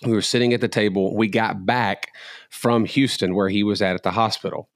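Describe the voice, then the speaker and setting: A middle-aged man with a fairly low voice co-hosts a casual podcast and tells stories in an earnest, reflective way. His voice is recorded close and dry. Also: fairly even intonation, a little fast, no room sound. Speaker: podcast co-host.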